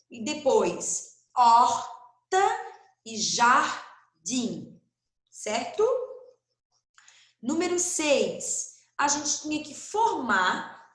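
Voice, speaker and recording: In a recorded online class, a woman with a Brazilian Portuguese accent teaches first graders, patiently stretching her words out for the young children. Her voice is high and a bit bright, and the sound is roomy.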